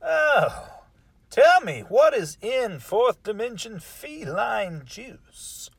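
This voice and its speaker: Man putting on a high-pitched theatrical show host. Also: sing-song, drawn-out words, gravelly, husky, no room sound, full character voice. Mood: eager, curious. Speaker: podcast host. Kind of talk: improvised in-character comedy interview.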